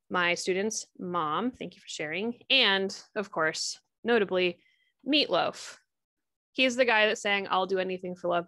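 A woman lecturing on histology in a chatty, informal way, tossing in jokey asides between explanations. Her voice sits at an ordinary middle pitch. The sound is dry and close, with no room around it. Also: bright, forceful tone, no echo. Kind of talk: recorded lecture.

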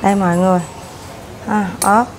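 A woman's voice: mid-range voice, little pitch movement, fairly quick, poor audio. A woman in her thirties on a lapel mic, chatting casually as she walks a hotel breakfast buffet and serves herself. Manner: chatty, narrating while serving herself food. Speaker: food vlogger. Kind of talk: casual walkthrough vlog. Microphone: clip-on lapel mic. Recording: clinking dishes and cutlery behind.

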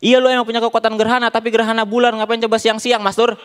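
A man's voice: very high-pitched, little pitch movement, rapid-fire, fairly bright tone, clean tone. A man playing an angry father scolding his naughty child in a stand-up routine.

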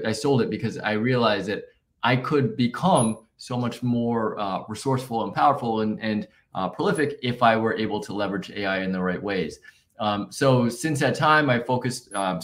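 A man answering interview questions in a relaxed, conversational way with frequent fillers. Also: lowish voice. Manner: relaxed, many fillers and restarts. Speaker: guest, marketing founder.

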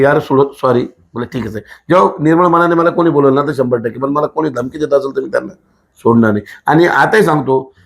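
Man, gravelly creak, blunt and emphatic, activist interview guest. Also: on the high side. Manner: blunt, emphatic, rhetorical questions. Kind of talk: casual spoken interview.

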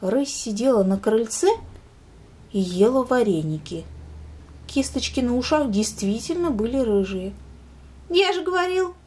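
A woman reading a children's story aloud in a calm, expressive manner. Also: a little high, measured pace, slight background noise. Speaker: reader.

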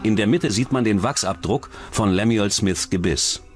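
A man reading scripted true-crime documentary narration in a measured, serious manner. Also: lowish voice, soft background music.

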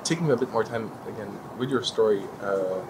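A man's voice: fairly low pitch, fairly quick. A young man from Lithuania hosting a podcast, asking curious, reflective questions in an outdoor dome. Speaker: podcast host. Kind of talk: conversational interview. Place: outdoor glass dome on a city square. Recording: street noise behind.

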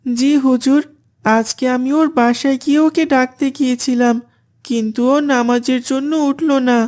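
A woman's voice: sits high, steady tone, moderate pace, a little mellow, natural voice. A woman voicing a dutiful, devout young boy in a cartoon, polite and earnest.

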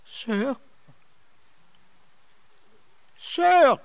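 An actor playing a loyal, long-serving butler, anxious and deferential, in a radio play. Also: male voice, extremely high pitch, animated, very slow, gravelly, no room sound, heavily acted. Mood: alarmed.

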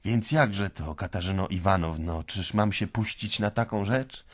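A man's voice: deep voice, a little slow, voice pushed up. A man reading an audiobook, voicing a meek young woman who asks hesitantly. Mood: timid.

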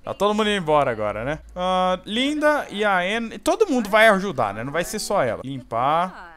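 Um jovem brasileiro narrando uma partida com gírias, bronqueando os personagens com empolgação. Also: male voice, high-pitched, a little fast. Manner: excitable, scolding the characters, slangy. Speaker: gameplay host. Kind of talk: casual gameplay commentary.

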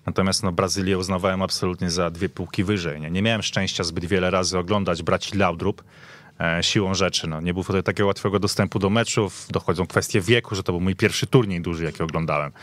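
A man's voice: sits low, steady tone, fast. A man discussing football as a pundit on a radio podcast, in a conversational way. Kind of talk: animated sports podcast discussion. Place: radio studio.

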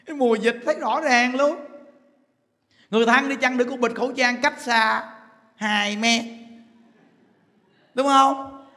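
A man's voice: very high-pitched, fairly even intonation, measured pace, long pauses, sharp tone, in a large hall. A man with a Southern Vietnamese accent giving a Buddhist dharma talk, firing rhetorical questions at the audience, chuckling and drawing out words for emphasis. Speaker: Buddhist preacher. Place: temple hall.

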